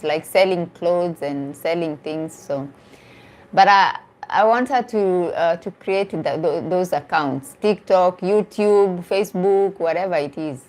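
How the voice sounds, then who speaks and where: A woman's voice: lowish voice, darkish tone. Earnest woman in her forties. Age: 40s. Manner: earnest, repeats and restarts phrases for emphasis. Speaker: dating coach. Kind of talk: casual live-stream chat answering viewer comments.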